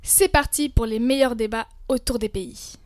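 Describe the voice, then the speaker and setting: A young woman co-hosting a scripted debate show, lively and opinionated. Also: a little high, moderate pace, no echo, clean studio sound. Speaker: co-host.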